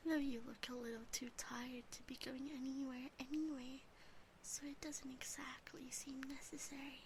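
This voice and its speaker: A woman voicing a cute, fretful, adoring yandere demon sister in a soft, sweet, mostly whispered ASMR roleplay, close on a binaural microphone. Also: sits high, level tone, moderate pace, background noise, close to an everyday voice.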